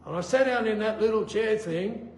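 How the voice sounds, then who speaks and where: A man giving a sermon testimony, an animated storyteller who acts out the voices in his stories. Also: sits high, moderate pace. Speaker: preacher. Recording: echoey room with faint noise.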